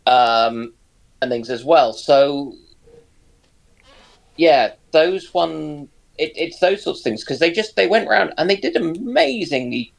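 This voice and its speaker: Halting, creaky man chatting slowly. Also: a little high. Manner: hesitant, halting, informal. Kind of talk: casual history chat.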